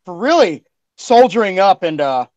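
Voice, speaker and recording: Higher-voiced man, effusive and informal. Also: big pitch swings, normal speed, darkish tone, dry recording, lo-fi sound. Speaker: podcast host and producer. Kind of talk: casual chat.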